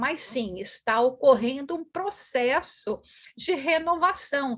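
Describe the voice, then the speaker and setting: A woman talks at a very slow pace with a high pitch. Her intonation is lively. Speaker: spiritist study group teacher. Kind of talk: lecture.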